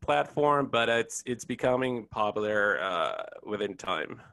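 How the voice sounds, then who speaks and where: A man's voice: on the low side, expressive, unhurried, a bit bright, no echo. A man from Puerto Rico whose first language is Spanish, speaking English with a Puerto Rican accent in a polite, somewhat hesitant way while asking for business advice. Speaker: caller seeking business advice. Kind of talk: casual call conversation.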